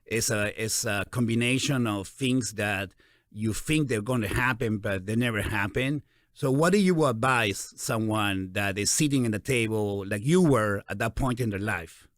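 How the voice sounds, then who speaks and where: A man in his forties with a Peruvian Spanish accent, hosting a casual interview in an animated, encouraging way. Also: lowish voice, normal speed, no room sound, studio quality. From Peru. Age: 40s. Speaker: interview host.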